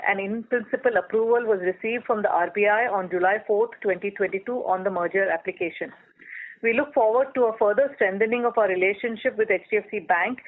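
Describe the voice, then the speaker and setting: Casting: company executive, formal scripted results delivery, mid-pitched voice, narrowband telephone sound. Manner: formal, measured corporate reading. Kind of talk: scripted earnings call presentation. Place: telephone conference call. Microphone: phone line. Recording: tinny, narrowband phone line.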